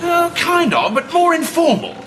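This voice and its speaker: Pompous admiral, boastful, high swooping voice. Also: male voice, sing-song, moderate pace, heavy background noise. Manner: grandiose and self-important. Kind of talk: sitcom acting.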